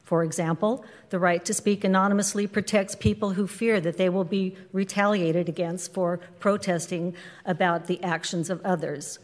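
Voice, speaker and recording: A woman's voice: on the low side, fairly even intonation, normal speed. A woman reading a formal prepared statement aloud as a public commenter at a council meeting. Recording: echoey hall with long reverb.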